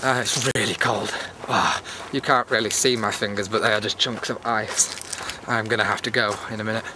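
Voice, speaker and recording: Out on a cold evening walk, a British man hosts his YouTube walk-and-talk vlog, chatting and meandering casually. He speaks briskly in a lowish, steady voice, with outdoor sounds clearly audible behind him.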